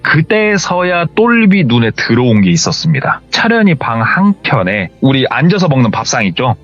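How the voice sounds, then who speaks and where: A man's voice: mid-range voice, a bit bright. A man, host of a horror story radio show, retelling a ghost story casually in hearsay style. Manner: colloquial, hearsay-style retelling, acts out the dialogue. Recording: muffled, with faint music.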